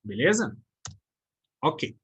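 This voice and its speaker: A man's voice: mid-range voice, very animated, very slow, fairly bright tone, husky. A Brazilian man with a Brazilian Portuguese accent teaching a recorded grammar lesson in a casual, chatty way, often checking in with his students.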